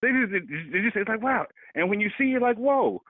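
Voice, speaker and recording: Animated man on a tinny phone line. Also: high-pitched, a little fast, dry recording. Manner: animated, repeats words while building a point. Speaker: podcast co-host. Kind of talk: casual political discussion.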